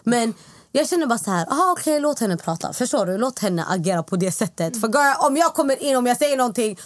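A woman's voice: a little high, dry recording. Woman, casual chat guest, acts out quotes, dry close sound. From Stockholm, Sweden. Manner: animated, acts out quoted lines, drops English phrases. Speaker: guest, former reality show contestant.

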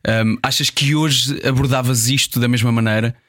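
A man's voice: medium pitch, steady tone, moderate pace, a bit bright, dry recording, clean studio sound. A man with a European Portuguese accent hosting a radio interview in a conversational style. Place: radio studio.

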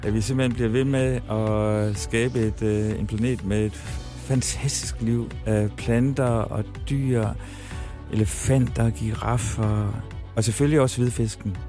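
A man visiting a radio show as a guest, chatting cheerfully and relaxed. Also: lowish voice, soft background music. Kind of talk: casual radio chat.

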